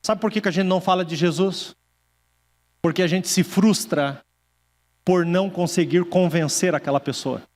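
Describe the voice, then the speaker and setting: A male pastor preaching a sermon, telling stories, acting out quoted voices and slowing down for emphasis. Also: on the high side, darkish tone, big-room sound. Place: church hall.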